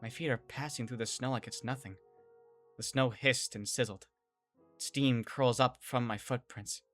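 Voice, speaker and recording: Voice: medium pitch, fairly even intonation, normal speed, fairly bright tone, soft background music, lightly acted. A performer playing an anxious, wry young survivor woman, narrating and speaking in a first-person audio drama. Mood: tense, wry.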